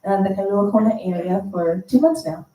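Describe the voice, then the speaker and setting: A woman's voice: medium pitch, brisk, mellow. A woman guest at a church gathering, introducing herself in a friendly, cheerful way. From United States. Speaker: first-time guest. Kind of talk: brief self-introduction. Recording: roomy, distant mic.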